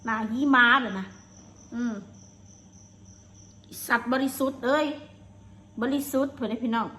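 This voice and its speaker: A woman's voice: a little high, unhurried, bright, forceful tone. A woman with a Lao accent, live streaming alone and angrily cursing and hurling insults. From Laos. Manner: angry, cursing, insulting tirade. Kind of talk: solo live-stream rant.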